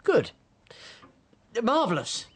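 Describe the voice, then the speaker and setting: An actor playing a fawning, greedy banker baron in a radio drama, flustered and hesitant. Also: male voice, extremely high pitch, huge pitch swings, drawn-out words, husky, heavily acted.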